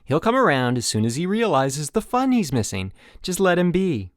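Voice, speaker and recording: An audiobook character, acted out by a man: a young male camp counselor who is relentlessly upbeat. His pitch is pushed high and bounces eagerly. Every phrase carries a bright, forced enthusiasm. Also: very animated, normal speed, no echo, clean studio sound.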